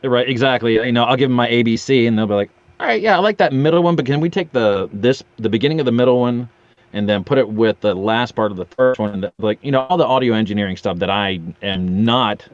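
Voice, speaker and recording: A man's voice: mid-range voice, fast talker, no room sound, muffled recording. A middle-aged man chatting casually as a podcast guest, a joking storyteller who acts out little quotes. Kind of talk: casual interview chat.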